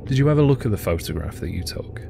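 A man playing a calm, probing interviewer in an audio drama, asking measured, clinical questions of a witness. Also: lowish voice, gravelly, heavily acted. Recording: music behind.

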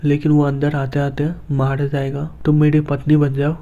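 A man voicing an arrogant, cruel rich young man who boasts and threatens, read in a flat, even way. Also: on the high side, normal speed, lightly acted. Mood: arrogant menace. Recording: dull lo-fi recording.

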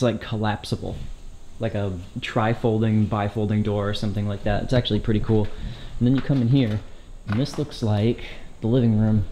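A young man with a low, mellow voice narrates his walk through an abandoned house, slangy and excited as he points things out to viewers. He's on a handheld camera, and the bare rooms around him echo. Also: slight background noise. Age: young adult. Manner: excited, slangy, talking to viewers while walking. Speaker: urban explorer vlogger. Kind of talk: casual walkthrough narration. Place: empty abandoned house, large indoor rooms. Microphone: handheld action camera. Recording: echoey empty rooms.

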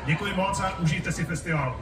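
A man's voice: sits high, a bit bright. A man in his thirties giving an opening address from an open-air festival stage. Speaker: festival speaker. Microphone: stand mic through PA, recorded from audience. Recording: noisy, echoey stage PA from far off.

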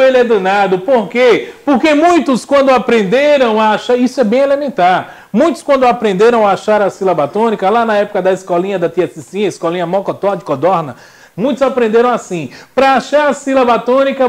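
A young man teaching a classroom lecture, joking and acting out little voices. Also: high voice. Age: young adult. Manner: jokey and animated, acts out voices.

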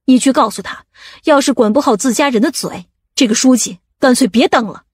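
A woman's voice: high voice, a little fast, darkish tone, husky, no room sound, clean studio sound. A woman playing an imperious, commanding aunt from a powerful family in an audiobook drama. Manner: commanding, demanding.

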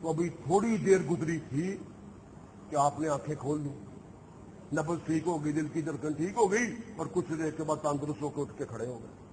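High-voiced mocking preacher. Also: male voice, slight background noise. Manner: mocking, animated storytelling with quoted dialogue. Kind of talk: storytelling sermon.

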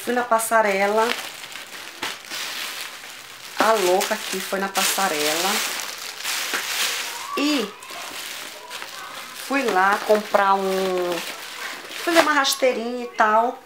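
A Brazilian woman vlogging a casual shopping haul, gushing and excitable, repeating words as she shows each item. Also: medium pitch, takes it slowly, pauses often, background noise. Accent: Brazilian Portuguese. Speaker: fashion vlogger.

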